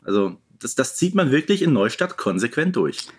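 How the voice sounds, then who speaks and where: A man speaking on a podcast in a casual, analytical way, measured and a little hesitant as he works through his thoughts. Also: medium pitch, sing-song, breathy edge. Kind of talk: casual podcast discussion of children's audio dramas.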